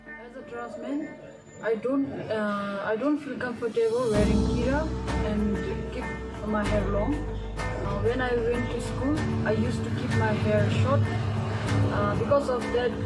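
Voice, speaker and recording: A trans man in his twenties from Bhutan, soft-spoken and hesitant as he shares his story. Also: very high-pitched, rough recording. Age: 20s. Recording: loud guitar music behind.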